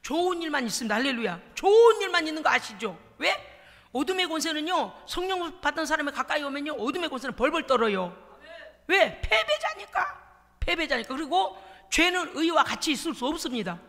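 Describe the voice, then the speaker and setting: A middle-aged woman pastor preaching a dramatic sermon in a church, acting out her own prayers with sobs and shouts. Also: high voice, animated, fairly quick. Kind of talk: animated sermon. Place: church sanctuary. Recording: long hall reverb.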